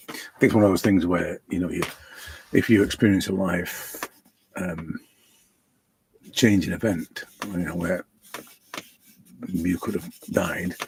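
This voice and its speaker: Pausing long and often, a man with a very deep, low pitch and a somewhat breathy voice speaks at a fairly slow pace with fairly even intonation. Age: 60s. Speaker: portrait artist and teacher. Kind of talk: casual talk while drawing. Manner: halting, many fillers.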